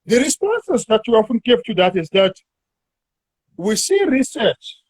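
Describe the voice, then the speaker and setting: A South African man, a university academic, talking through an academic discussion in a measured way and drawing words out while he thinks. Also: very high voice, very animated, darkish tone, breathy edge, dry recording.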